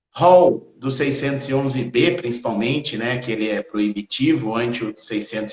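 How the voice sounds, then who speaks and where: Here a man speaks with a Goiás accent and ordinary pitch variation. His voice is somewhat breathy. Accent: Goiás accent, drawling. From Goiás, Brazil. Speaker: labor lawyer. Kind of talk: live webinar discussion. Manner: drawling.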